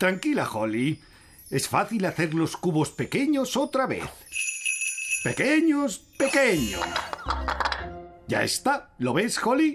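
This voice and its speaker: Faint music plays in the background as a cartoonish character voice at a fairly high pitch moves at a fairly slow pace. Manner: cheery, blustering.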